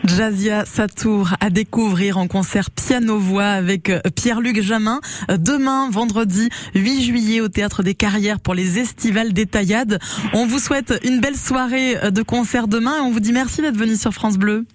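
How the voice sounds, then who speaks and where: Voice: mid-range voice, steady tone, normal speed, dry recording. A radio host reading prepared introductions and questions for a guest interview. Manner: smooth, reads prepared introductions. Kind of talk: scripted radio interview hosting.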